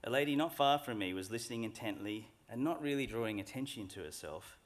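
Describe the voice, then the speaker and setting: A middle-aged man giving a formal graduation address from a lectern microphone in a large hall, in a measured and earnest way. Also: medium pitch, animated. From Australia. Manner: measured, earnest, reflective speech delivery. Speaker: graduation speaker.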